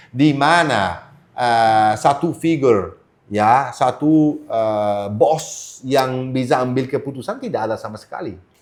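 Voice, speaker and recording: A man with a medium pitch talks at a very slow pace with ordinary pitch variation. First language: not Indonesian (speaking Indonesian). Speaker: motorcycle racing pundit. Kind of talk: casual discussion. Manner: halting, many fillers.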